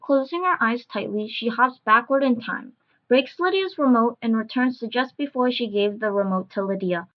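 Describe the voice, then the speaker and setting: A woman's voice: on the high side, moderate pace, highs cut off. A woman reading scripted narration for an audio drama.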